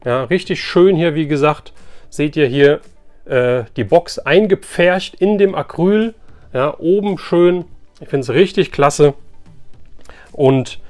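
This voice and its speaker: A man's voice: a little high, slow pace, a little mellow, faint music behind. A man talks casually to his viewers as he presents an unboxing. He sounds keen and colloquial, and he likes to repeat a phrase to drive it home. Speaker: collector presenting an unboxing video. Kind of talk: casual unboxing chat to camera.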